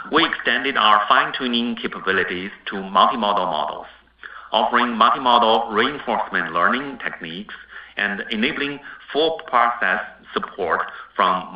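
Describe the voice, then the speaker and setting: A man in the role of a company executive reads scripted earnings call remarks in a formal, measured way. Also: lowish voice. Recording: dull, roomy, distant conference-call audio.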